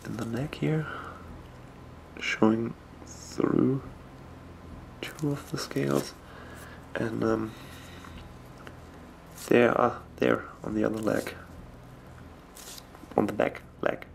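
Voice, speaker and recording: A young man with a German accent, a native German speaker, talking casually and hesitantly while he paints miniatures at his desk, often pausing to search for words. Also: medium pitch, steady tone, gravelly, slight background noise. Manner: slow, hesitant, searching for words with many ums.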